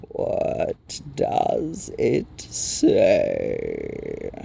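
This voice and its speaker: A man voicing a huge rock-eating giant creature with a crackling, gravelly voice and ponderous, drawn-out speech. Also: a bass voice, huge pitch swings, dark tone, voice pushed down, full character voice. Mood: gruff, curious.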